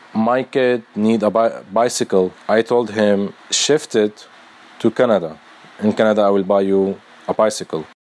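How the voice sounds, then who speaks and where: A speaker with an Arabic accent talks at a moderate pace, with very even loudness and fairly even intonation. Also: man, fairly low pitch for a man. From Syria, Douma near Damascus. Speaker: refugee. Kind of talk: interview testimony. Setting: remote call from home. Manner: halting.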